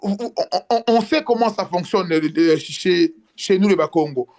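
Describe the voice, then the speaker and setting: Earnest high-voiced man talking halting. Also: a little mellow. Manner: earnest, halting, many restarts and fillers. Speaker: guest. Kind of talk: casual live video chat. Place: in France.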